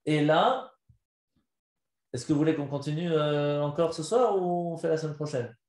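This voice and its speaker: Animated male rabbi telling a story. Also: a little high, normal speed. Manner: animated storytelling, quizzes listeners. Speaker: rabbi teaching a class. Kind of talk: live Torah lesson told as a story. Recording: echoey room.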